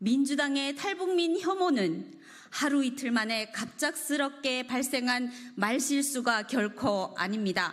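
Over a quiet background, a woman speaks at a high pitch and a very slow pace, with lively intonation and very even loudness. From North Korea. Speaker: political party spokesperson. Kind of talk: press conference statement. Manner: formal. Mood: indignant, demanding apology. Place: hall. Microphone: podium.

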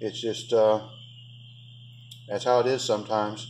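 Against light background noise, a man speaks at a moderate pace. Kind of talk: casual vlog chat. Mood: relaxed, matter-of-fact. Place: garage.

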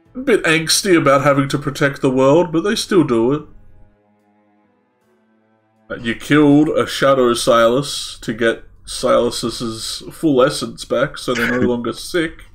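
Faint music plays in the background as a man talks at a fairly slow pace with long, frequent pauses. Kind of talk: recap narration. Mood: playful, amused. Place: home room.

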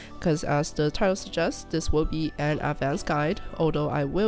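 A woman's very deep, low voice at a fairly quick pace, with music playing in the background. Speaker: digital artist. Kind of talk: software tutorial narration. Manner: occasional slurred words, many filler ums.

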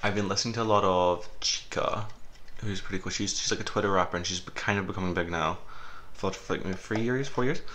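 Soft-spoken and fairly quick, a man talks in a fairly low pitch with fairly even intonation against noticeable background noise. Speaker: ASMR creator. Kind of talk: ASMR soft-spoken ramble. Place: home room. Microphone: studio mic.

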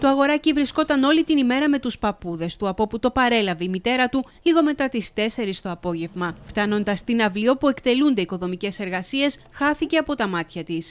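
The delivery moves at a fairly quick pace. The pitch swings very widely. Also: woman, high pitch for a woman. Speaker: news reporter. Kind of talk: news report narration.

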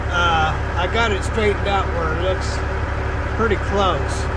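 Over loud background noise, a man talks at a fairly slow pace with a dry sound and no echo. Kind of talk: casual vlog chat. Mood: relaxed, mildly disappointed. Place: car. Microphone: phone near.

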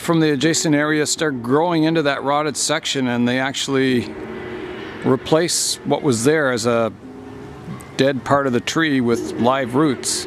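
Music plays behind a man whose intonation stays fairly even. The sound is dry, with no echo. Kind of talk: tutorial. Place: waterside. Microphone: phone near.

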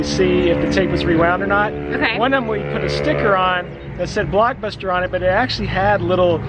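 A man at a fairly quick pace, dry sound with no echo, and clear music in the background. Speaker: vlogger. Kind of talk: casual vlog chat. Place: street. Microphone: phone near.

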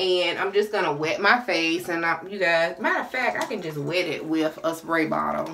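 Light background noise sits behind a woman speaking at a moderate pace. Her pitch is fairly low, with ordinary pitch variation. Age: 30s. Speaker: beauty and hair care YouTuber. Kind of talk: casual tutorial. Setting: home. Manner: chatty, filler-heavy. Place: home room. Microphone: phone near.

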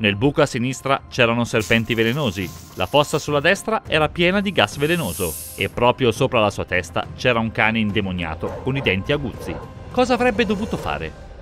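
Music plays behind a man talking at a fairly quick pace. His pitch swings very widely, and the sound is dry with no echo. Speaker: narrator. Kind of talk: storytelling narration of riddles.

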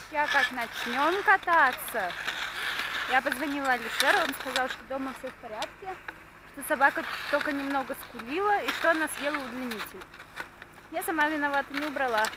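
Against loud background noise in a dry sound with no echo, a woman talks at a moderate pace with ordinary pitch variation and long, frequent pauses. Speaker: vlogger. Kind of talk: casual vlog chat. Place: open country. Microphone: phone near.

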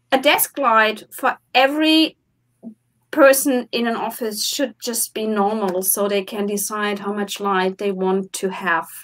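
A German accent at a fairly slow pace, with ordinary pitch variation. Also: woman, fairly high pitch for a woman. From Germany. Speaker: chronobiologist, science educator; science educator. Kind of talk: expert interview. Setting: video call. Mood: engaged, explanatory. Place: home room.

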